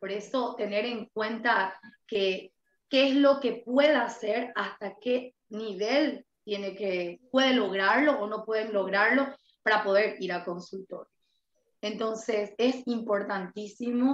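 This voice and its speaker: Audible room echo surrounds a woman speaking at a very slow pace with ordinary pitch variation. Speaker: guest. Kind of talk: interview answer. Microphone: video call.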